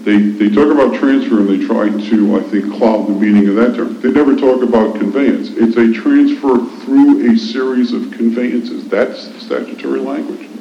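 A man's voice: mid-range voice, moderate pace, hardly any pauses. An American man arguing as a lawyer in court, insistent and repeating his points for emphasis. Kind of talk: courtroom oral argument. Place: indoor courtroom. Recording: echoey, muffled courtroom recording, faint noise.

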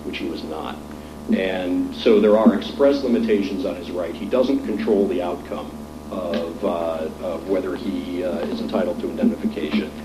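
A man arguing formally as a lawyer in court, in a halting way with drawn-out pauses. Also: low-pitched. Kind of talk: formal appellate oral argument. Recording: echoey courtroom with clear noise and hum.

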